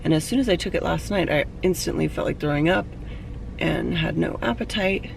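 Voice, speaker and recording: A woman with a hoarse, fading voice, chatting candidly into a handheld camera for her vlog outdoors. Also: deep voice, brisk. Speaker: vlogger. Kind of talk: casual vlog talk. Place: outdoors near traffic and parking lots. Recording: distant mic with street noise.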